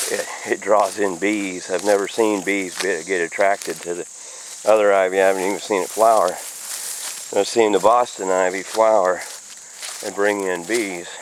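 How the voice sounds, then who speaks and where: Noticeable background noise surrounds the recording. A man speaks in a monotone, flat intonation. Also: moderate pace. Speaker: homesteader vlogger. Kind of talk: casual vlog narration. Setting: outdoors. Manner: halting, self-correcting.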